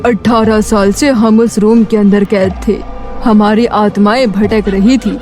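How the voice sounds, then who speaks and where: Casting: actress as vengeful murdered teacher's ghost, mid-pitched, menacing horror cartoon delivery, prominent music. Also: female voice, steady tone, a little mellow, lightly acted. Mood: vengeful, threatening. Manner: menacing, slow declarations, repeated demands. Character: vengeful ghost schoolteacher, a murdered woman seeking release. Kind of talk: dramatic horror cartoon voice acting.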